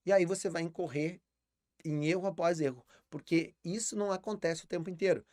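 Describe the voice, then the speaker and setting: A man's voice: on the high side, a little fast, darkish tone, no echo, studio quality. A man with a Brazilian Portuguese accent teaching English in a live online lesson, explaining patiently and repeating words as he thinks.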